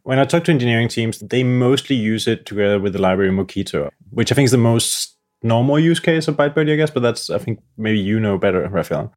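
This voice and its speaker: A man's voice: medium pitch, expressive, fast talker, a little mellow. A man taking part in a casual technical chat, talking conversationally and hedging his points.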